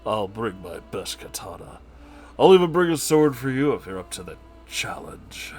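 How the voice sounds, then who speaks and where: A man's voice: lowish voice, big pitch swings, normal speed, a little mellow, faint music behind. A man voicing a pompous, boastful male neckbeard anime fan who makes grandiose, theatrical declarations in a comedic story reading. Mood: scheming, challenging.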